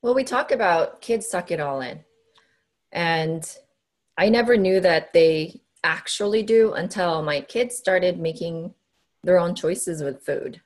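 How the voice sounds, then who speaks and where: A woman's voice: lowish voice, lively intonation, unhurried. A middle-aged woman from the Philippines with a Filipino accent, chatting casually as a co-host and laughing easily. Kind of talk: casual podcast chat.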